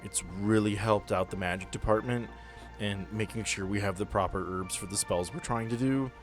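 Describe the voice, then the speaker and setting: A man's voice: lowish voice, fairly even intonation, moderate pace, close to an everyday voice. A man plays a friendly young botanist woman in a tabletop game. The character is earnest, chatty and full of thanks. Music sits behind the voice. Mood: grateful.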